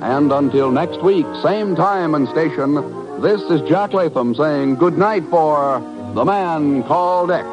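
A man's voice: fairly high pitch, unhurried. A man with an American accent announcing in the polished, declamatory manner of an old radio announcer, reading from a script. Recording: muffled vintage 1950s radio broadcast. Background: music.

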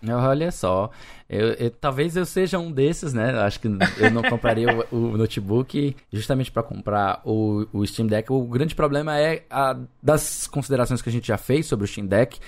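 A man's voice: medium pitch, normal speed. A man with a Brazilian accent hosting a podcast in casual chat, thinking aloud and speculating as he goes. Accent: Brazilian Portuguese. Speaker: podcast host.

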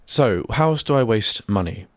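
Male host, deep and congested with a cold, rambling chat in a dry little studio. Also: expressive, moderate pace, no room sound. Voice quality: bunged-up, nasal. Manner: rambling, chatty, self-deprecating. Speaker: radio host. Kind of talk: casual solo radio chat. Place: small radio studio. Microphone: studio microphone.

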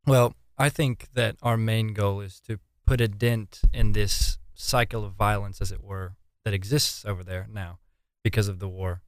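A man's voice: fairly low pitch, steady tone, normal speed, no echo. A twenty-year-old man answering earnestly and articulately as an interview guest. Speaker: interview guest, relief volunteer.

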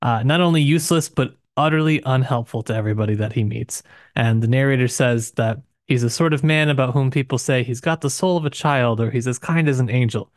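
A man's voice: medium pitch, brisk, dry recording, studio quality. A man co-hosting a literary podcast in casual discussion, thinking aloud and rephrasing as he goes. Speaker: podcast co-host.

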